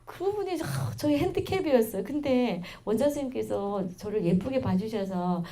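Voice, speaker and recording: A middle-aged woman with a regional Korean accent giving a parenting lecture, telling stories in a chatty way that swings between loud bursts and soft asides. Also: on the high side, lively intonation, normal speed. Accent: Korean regional dialect.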